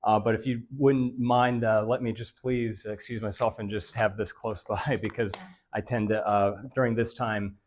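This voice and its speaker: A man presenting a health lecture to seniors in a meeting room, his voice raspy and nasal and a bit dry from allergies, talking in a monotone with many fillers. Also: lowish voice, moderate pace. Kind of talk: live lecture to a senior audience.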